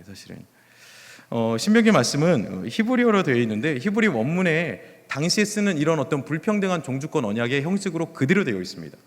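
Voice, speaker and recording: Animated Korean pastor preaching in a hall. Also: male voice, on the high side. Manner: animated, voices God's words in intimate pleading tones. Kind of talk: sermon. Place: church sanctuary. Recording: long hall reverb.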